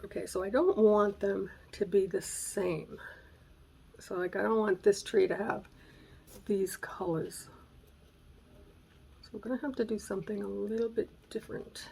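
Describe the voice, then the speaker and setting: A woman with a raspy voice hosting a casual craft tutorial at home, thinking aloud and sometimes dropping to a whisper as she works. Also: mid-range voice, steady tone, a little slow, pauses often, darkish tone, low-quality recording. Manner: chatty, thinking aloud while working, drops to whispers. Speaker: craft channel host. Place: home craft room on a gray day. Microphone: camera mic, moves close and away while working.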